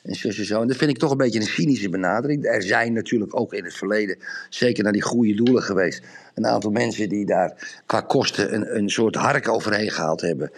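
A man's voice: on the low side, fairly quick. A man telling a long, rambling story to his co-host, growing more emphatic as he goes. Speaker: podcast co-host. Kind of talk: casual monologue on a podcast.

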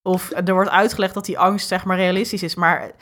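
A woman co-hosting a casual podcast chat, lively and opinionated, speeding up when she makes a point. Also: lowish voice, fairly quick. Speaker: podcast co-host.

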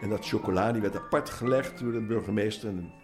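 A man in his eighties from the Netherlands, giving personal testimony, halting with frequent restarts and lively when retelling scenes. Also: lowish voice, soft background music. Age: 80s. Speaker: interviewee.

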